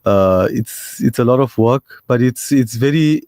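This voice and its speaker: A man, a restaurant owner speaking as a radio guest in a measured, modest way, often restarting his sentences. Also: mid-range voice, a little mellow, no echo, studio quality. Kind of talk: radio interview. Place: radio studio.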